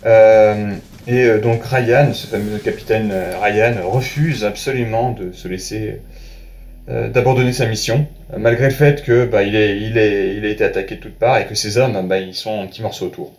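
A man hosting a casual spoken review, talking straight to the listener in a relaxed, halting way with lots of fillers and restarts. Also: on the low side, slight background noise. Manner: hesitant, many fillers and restarts; informal, talks directly to the listener. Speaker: host reviewing a film's box art. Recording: echoey room with faint music.

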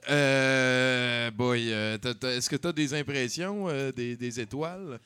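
A man's voice: medium pitch, takes it slowly, bright, forceful tone, slight background noise. A man with a Québécois accent hosting a radio show, jokey and slangy. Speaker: radio host.

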